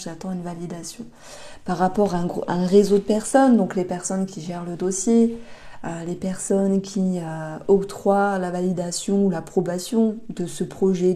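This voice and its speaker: A woman giving a monthly tarot reading, talking gently with many hesitations and restarts. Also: medium pitch. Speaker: tarot reader.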